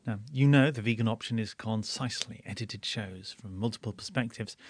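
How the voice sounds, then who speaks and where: Male podcast host, mid-pitched voice, listener announcement style, very dry recording. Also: no room sound.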